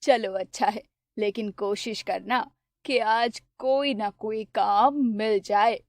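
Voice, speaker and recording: A woman voicing a poor, worried mother in a cartoon, speaking gently and coaxingly. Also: mid-range voice, fairly even intonation, takes it slowly, dry recording, voice pushed down.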